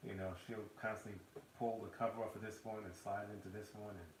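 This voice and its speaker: Low-voiced man, far off in a roomy space. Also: little pitch movement. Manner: reads viewer questions, joking, halting. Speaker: co-host, host's partner. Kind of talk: casual livestream chat. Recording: roomy, distant, clear background noise.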